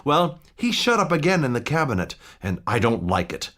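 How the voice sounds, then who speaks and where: A man's voice: mid-range voice, sing-song, normal speed, a bit bright, voice pushed up. A man voicing an anxious older butler who pleads urgently and fearfully.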